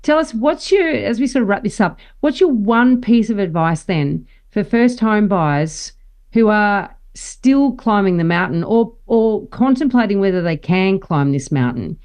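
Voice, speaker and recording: A woman's voice: mid-range voice, expressive, measured pace, a little mellow. A woman hosting a podcast, chatting in an encouraging way as she puts questions to her guest. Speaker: podcast host. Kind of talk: casual podcast conversation.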